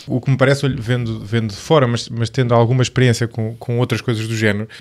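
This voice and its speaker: A man's voice: mid-range voice, little pitch movement. A man with a European Portuguese accent hosting an interview podcast, musing aloud and checking in with his guest. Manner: quick, musing, tags remarks with questions. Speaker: podcast host. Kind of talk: conversational interview.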